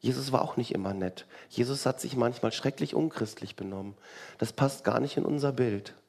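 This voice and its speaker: A man's voice: medium pitch, brisk, creaky, darkish tone, slightly rough. A man preaching a sermon in a conversational way, full of rhetorical questions and wry asides.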